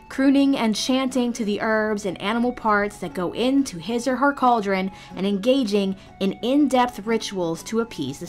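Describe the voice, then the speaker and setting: A woman hosting a video guide, reading a scripted explainer in a measured, articulate, instructive way. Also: medium pitch. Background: background music.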